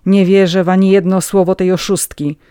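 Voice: mid-range voice, level tone, brisk, warm tone, smooth, dry recording, clean studio sound, pitched above the performer's own voice, natural voice. A reader voicing a hostile young man who speaks with accusing contempt, in an audiobook reading.

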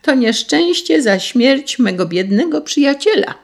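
A woman voicing a small, righteous male sparrow who takes revenge, declaiming in a high, stern voice. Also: animated, measured pace, creaky, darkish tone. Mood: vengeful.

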